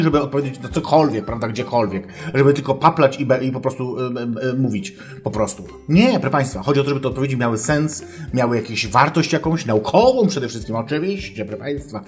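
In a voice close to his everyday one, pitched in the middle, a man performs a comic monologue as a pompous, foul-mouthed female sex doctor and advice-show host. He lectures in a mock-academic style, formally addressing the audience while cursing throughout.

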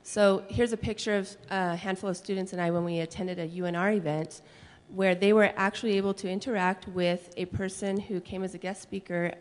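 A woman high school language teacher giving a steady conference talk into a handheld mic on stage. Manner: steady, explanatory, some fillers. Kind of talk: conference presentation. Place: large school hall, on stage. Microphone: handheld microphone. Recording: long reverb of a large hall.

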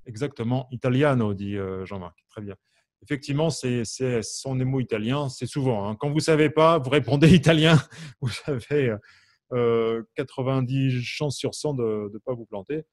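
In a live online harmonica class, a man from France's Champagne region speaks at a medium pitch and moderate pace. His style is loose and chatty, full of fillers, as he questions his viewers and replies to them by name.

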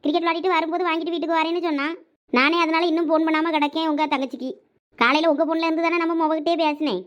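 A woman playing a quick-talking village wife. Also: very high voice, steady tone. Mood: worried. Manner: quick, pleading, deferential. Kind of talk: village family skit.

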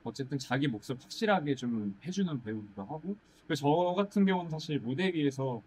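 A young man, a musical actor, chatting in a casual Q&A, pausing thoughtfully to search for words. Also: mid-range voice, animated, a little mellow, husky. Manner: thoughtful, drawn-out pauses while searching for words. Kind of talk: casual Q&A chat. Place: indoor stage set, seated.

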